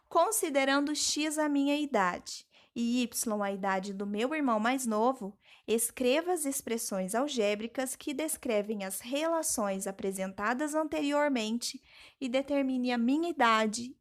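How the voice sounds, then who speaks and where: A young woman with a high voice walks students through a math lesson. She speaks slowly and patiently, explaining each step. She talks to the class directly and keeps a friendly teaching tone. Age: young adult. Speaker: teacher intern.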